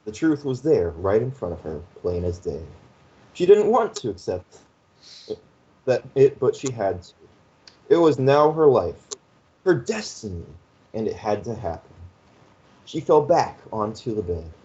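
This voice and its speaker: A man narrating a fanfiction story aloud in a steady, measured way. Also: mid-range voice, dull audio.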